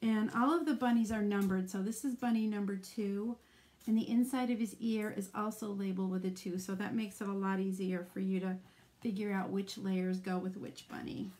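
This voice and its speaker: A woman's voice: medium pitch, fairly even intonation, moderate pace, mellow. A middle-aged woman demonstrating a craft live, explaining each step in a chatty way with frequent ums.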